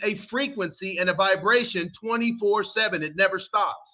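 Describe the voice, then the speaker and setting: A man's high-pitched, raised and projected voice, bright and sharp in tone and animated, with ordinary pitch variation at a moderate pace. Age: 60s. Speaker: fitness and life coach. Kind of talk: podcast interview.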